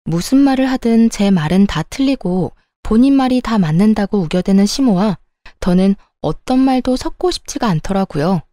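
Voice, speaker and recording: Woman story narrator, mellow tone, firm indignant delivery, dry close recording. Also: mid-range voice, no echo. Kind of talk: first-person story narration.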